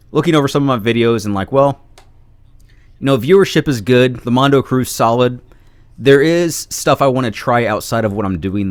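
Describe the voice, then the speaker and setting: A man's voice: fairly low pitch, no room sound. A man chatting casually as a podcast guest, talkative and informal, rambling through his thoughts. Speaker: podcast guest, video creator.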